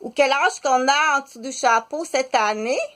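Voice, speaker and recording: A woman in her fifties with a Québécois French accent, talking slowly in a halting monologue full of filler pauses. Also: high voice, a bit bright. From Quebec. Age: 50s. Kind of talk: casual spoken monologue.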